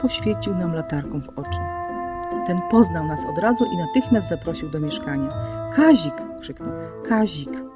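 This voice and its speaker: A woman narrating a story in lively scripted style, shifting her voice for the characters. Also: deep voice, normal speed. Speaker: audiobook narrator. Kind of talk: scripted narration with acted dialogue. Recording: music bed under the voice.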